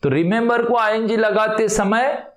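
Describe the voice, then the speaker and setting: A man teaching English grammar, asking questions and answering them himself, stretching out example words slowly. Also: high voice, fairly bright tone, roomy sound. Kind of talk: explanatory lesson with questions to viewers.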